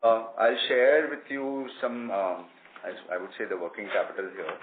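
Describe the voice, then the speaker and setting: Halting Indian man on an echoey phone call. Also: on the low side, animated. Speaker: company executive answering analysts. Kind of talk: earnings call answers. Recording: echoey phone line with clicks.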